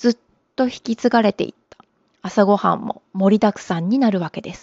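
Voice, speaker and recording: Calm in tone, a woman speaks at a moderate pace and a fairly high pitch, with ordinary pitch variation and big swings in loudness. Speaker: podcaster, mother. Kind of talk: solo monologue.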